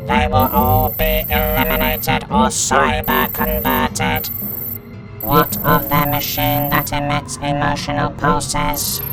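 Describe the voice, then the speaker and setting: A man voicing cold, emotionless cyborg invaders in a science-fiction audio drama, giving clipped, monotone orders through robotic processing. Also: mid-range voice, creaky, poor audio.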